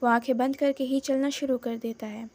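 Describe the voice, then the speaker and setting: A woman's voice: high voice, steady tone, moderate pace, darkish tone. A young woman narrating her own fan fiction in a chatty, dramatic storytelling manner.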